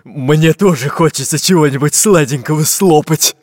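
A man voicing a grumpy, bossy male robber captain with a gruff, grumbling delivery. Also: fairly high pitch, normal speed, darkish tone, dry recording, clean studio sound, long reverb tail, close to an everyday voice.

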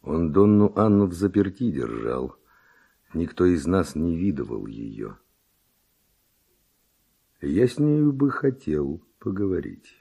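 A brazen, impulsive Spanish seducer in a theatrical radio drama. The voice is very low, husky and dark, and it swings expressively through unhurried verse. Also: male voice, big pitch swings, full character voice. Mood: intrigued, scheming.

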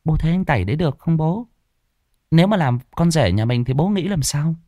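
A man voicing an eager, headstrong young woman who asks quick questions. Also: fairly high pitch, expressive, dark tone, no echo, clean studio sound, voice pushed up, natural voice.

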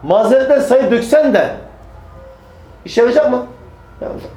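A man's voice: very high voice, expressive, moderate pace, dark tone, roomy sound, rough recording. A man preaching to a small group, emphatic, repeating phrases and answering his own rhetorical questions. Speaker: religious preacher. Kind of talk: religious talk to a small group.

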